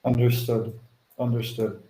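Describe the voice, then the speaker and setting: A man's voice: mid-range voice, little pitch movement, a little slow, dark tone, a little hiss or hum. A man acting as moderator on an earnings call, relaying questions from investors. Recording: echoey conference call.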